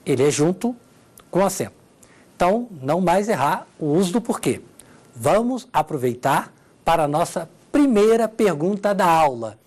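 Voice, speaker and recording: A woman's voice: lowish voice, sing-song, moderate pace, darkish tone. A woman teaching Portuguese grammar in a televised lesson, walking through examples and checking in with her listeners. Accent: Brazilian Portuguese.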